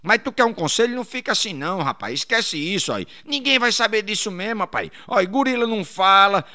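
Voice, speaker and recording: Lively man telling jokes. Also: high voice, brisk. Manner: lively storyteller, drops into character voices and laughs at his own punchlines. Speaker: joke teller.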